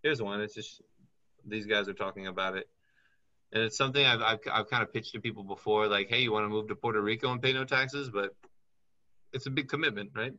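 A man's voice: on the low side, steady tone, fairly quick, sharp tone, muffled recording. A man working as a business consultant, talking in a chatty way and thinking aloud as he reads up on things during a call. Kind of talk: casual advice call.

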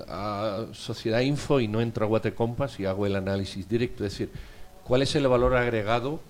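A man co-hosting a radio interview who asks probing, insistent questions. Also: on the low side. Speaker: radio co-host.

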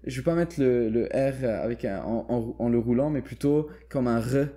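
Young man, Lebanese French accent, warm mellow tone, thoughtful casual chat, hesitant restarts. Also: mid-range voice, moderate pace. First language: Lebanese Arabic. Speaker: guest.

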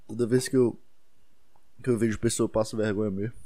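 A man's voice: lowish voice, steady tone, fast, dark tone, dry recording. A young man with a Brazilian accent telling a rambling, self-deprecating story in a casual monologue, swearing freely along the way. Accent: Brazilian Portuguese.

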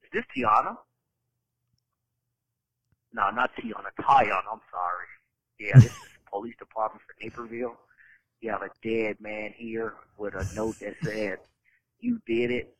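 A man's voice: lowish voice, moderate pace, pauses often, a bit bright, no room sound, poor audio. A man speaking informally, as if leaving a spoken message.

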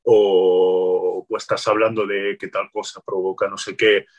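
Low husky guy chatting as interview guest, explains stuff, lots of restarts. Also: level tone, unhurried, lo-fi sound. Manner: explanatory, many restarts and "pues". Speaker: guest, LinkedIn sales consultant. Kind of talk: casual interview talk, giving advice.

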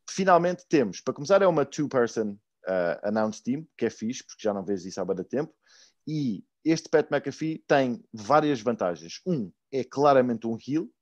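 A man's voice: medium pitch, lively intonation, normal speed, darkish tone, no room sound, dull audio. Casual young man, dry close sound. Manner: slangy, peppered with English words and swearing. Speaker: wrestling podcast co-host. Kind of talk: casual chat.

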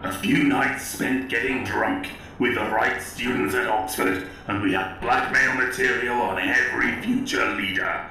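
Echoing, sharp-voiced scheming narrator. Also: male voice, medium pitch, measured pace. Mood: smug. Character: scheming male narrator recounting his rise to power. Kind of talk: narration in comedy audio drama. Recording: very echoey, faint ambient noise.

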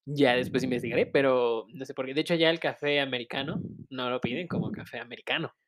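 A man's voice: medium pitch, quick pace. A man with a Mexican accent in casual conversation, talking loosely with slang and frequent fillers. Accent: Mexican Spanish. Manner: relaxed, colloquial, trails off with fillers. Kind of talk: casual chat.

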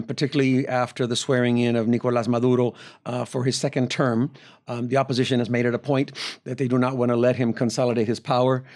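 A man from Venezuela, a professor being interviewed, who explains at length in a measured way with many hesitations and restarts. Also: medium pitch, darkish tone. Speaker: guest professor. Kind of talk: conversational interview answers.

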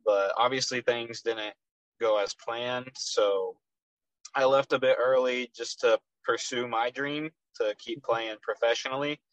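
A man's voice: medium pitch, a little slow, dry recording, low-quality recording. Young Texan man, dry close sound. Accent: Texas. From Texas, USA. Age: 20s. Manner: relaxed, with frequent ums and restarts. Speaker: guest, professional soccer player. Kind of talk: casual interview answers.

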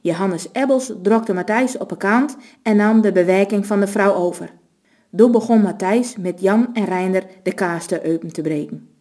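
A woman with a Low reading a story aloud in a steady, even narrating voice.

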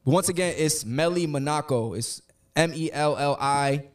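A man's voice: a little high, moderate pace. Late-20s male podcast host from New York, loose and joking, a bit off-mic. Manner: loose, joking, talks over the others. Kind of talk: casual chat. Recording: distant from the mic.

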